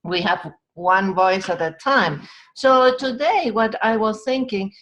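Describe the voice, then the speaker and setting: A woman's voice: medium pitch, lively intonation, measured pace, a bit bright. A woman from Argentina moderating a group video call, welcoming participants and setting out the session. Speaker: host, moderator.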